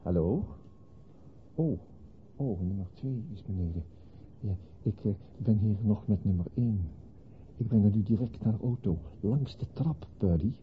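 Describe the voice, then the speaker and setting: An actor in a radio play playing a smooth-talking, evasive newspaperman with a placating, flattering and hesitant manner. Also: lowish voice, measured pace, narrow, tinny audio, slight background noise, close to an everyday voice. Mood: flustered.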